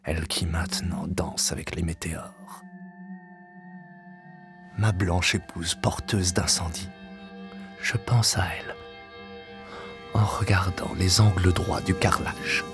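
Casting: male actor as obsessive grieving husband, low-pitched, grandiloquent, breathy and menacing, literary radio monologue with music underneath. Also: fairly even intonation. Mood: brooding, wistful. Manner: solemn, deliberate, often sinking into breathy whispers. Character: obsessive, vengeful widower, grandiloquent, haunted by his lost wife. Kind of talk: dramatic monologue, literary audio fiction. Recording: binaural recording with music.

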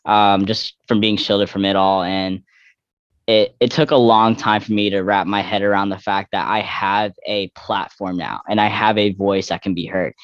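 A young trans man speaks in a low register, working through his thoughts haltingly with lots of fillers and self-corrections. The sound is dry and a bit muffled, as if recorded close on a modest mic. He sounds candid and personal. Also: clean tone, dry recording. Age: young adult. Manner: reflective, halting, many fillers and restarts. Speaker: interview guest.

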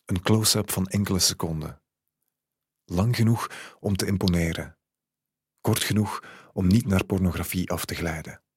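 A man calmly narrating a literary short story in the first person. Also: low voice, normal speed, long pauses, husky, no echo, studio quality.

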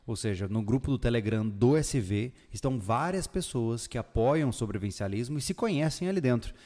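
A man hosting a casual podcast, relaxed and joking, recorded in a bare new house whose room still echoes. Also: mid-range voice, brisk. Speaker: podcast host. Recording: long echo from a bare room.

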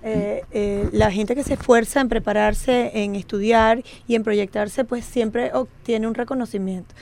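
A woman's voice: on the high side, steady tone, a little slow, vocal fry, darkish tone, slight background noise. A woman co-hosting a radio show, talking in a formal, speech-like way. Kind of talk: radio interview.

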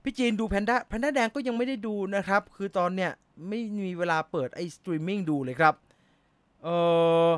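A man's voice: high voice, fairly bright tone, dry recording. A middle-aged man hosting a casual live chat, reading viewer comments and answering in chatty bursts, laughing easily.

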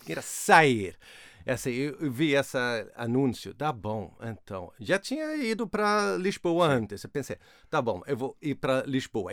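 A man's voice: mid-range voice, a bit bright, no echo, clean studio sound. Swedish-accented man, hesitant storyteller. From Sweden. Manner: hesitant, with many fillers and restarts. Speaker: guest. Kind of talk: conversational interview storytelling.

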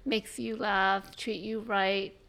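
A middle-aged woman with a gravelly voice, frank and quick to laugh in a casual group chat. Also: medium pitch, little pitch movement, a bit bright.

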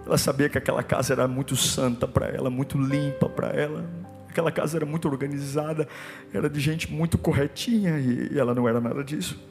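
A man preaching a sermon, emphatic and repetitive, dropping to a hush and then rising to force. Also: medium pitch, fast, vocal fry. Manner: emphatic and repetitive, swinging between hushed and forceful. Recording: long hall reverb with soft music behind.

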